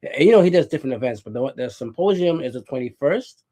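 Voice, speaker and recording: A man appearing as a guest on a live talk stream, speaking casually in a relaxed, hesitant way with fillers. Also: mid-range voice, fast talker. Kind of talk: casual conversation.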